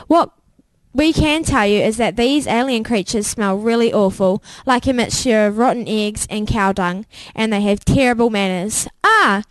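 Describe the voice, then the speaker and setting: A woman's voice: fairly high pitch, normal speed, no echo, close to an everyday voice, low-quality recording. A woman playing a studio reporter who reports in a chatty, jokey way. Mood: nervous. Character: studio reporter Sam, nervous.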